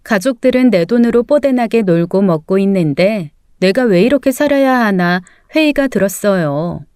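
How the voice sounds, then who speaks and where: A woman's voice: medium pitch, lively intonation, normal speed, darkish tone, smooth, no echo, clean studio sound. A woman narrating a dramatic first-person story in a scripted reading, plainspoken.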